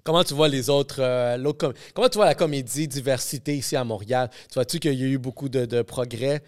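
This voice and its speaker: A man hosting a casual podcast, talking animatedly with "comme, yo" fillers and thinking out loud. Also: medium pitch, fairly quick. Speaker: podcast host.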